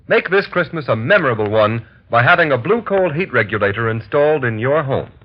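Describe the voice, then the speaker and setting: A male radio announcer from the 1930s gives an upbeat, emphatic sales pitch. His voice sits fairly high and rises and falls with lively swings. The recording is muffled, with faint music behind him.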